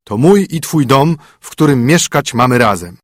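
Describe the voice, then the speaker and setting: A man's voice: medium pitch, expressive, normal speed, no echo, clean studio sound, pitched above the performer's own voice, natural voice. A man voicing a stern young king disguised as a poor fiddler, commanding, in a storybook reading. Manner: commanding, firm.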